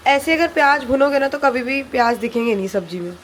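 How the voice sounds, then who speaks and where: A woman's voice: high voice, lively intonation, fairly quick, a little hiss or hum. A woman vlogging in a chatty way, talking straight to her viewers while she cooks and shops. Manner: chatty, addresses viewers as guys. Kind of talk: casual vlog chat to camera.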